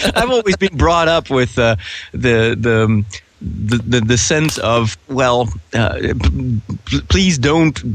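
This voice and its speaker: Over music in the background, a man speaks at a very slow pace with very wide pitch swings and very even loudness. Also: medium pitch for a man. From Netherlands. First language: Dutch. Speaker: priest and podcaster. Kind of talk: casual interview chat. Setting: Skype call. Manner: hesitant, repeats words.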